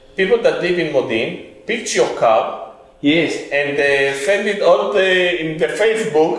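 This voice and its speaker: Noticeable background noise sits behind this recording. A man talks at a fairly slow pace in a high pitch with lively intonation. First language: Hebrew. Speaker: driving instructor. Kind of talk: interview. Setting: studio. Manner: halting.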